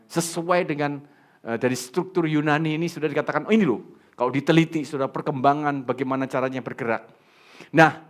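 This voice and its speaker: A man preaching in a church with a fairly high, highly animated voice that swings up and down. He asks the congregation questions and drops jokes as he goes. He talks to the room in a lively sermon style. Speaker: pastor.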